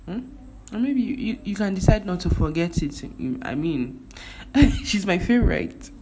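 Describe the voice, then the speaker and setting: Nigerian girl vlogging, igbo is her first language, talks slow and hesitant, lots of ums and restarts, bit of background noise. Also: medium pitch, lively intonation. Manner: chatty, hesitant, frequent fillers and restarts. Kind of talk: casual opinion vlog.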